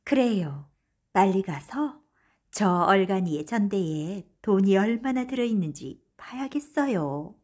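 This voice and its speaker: A woman's voice: medium pitch, animated, a little slow, a little mellow. A woman storyteller voicing a scheming, greedy robber wife in a folktale audiobook, theatrical and affected. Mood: greedy eagerness. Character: scheming, greedy robber wife luring travellers with false grief.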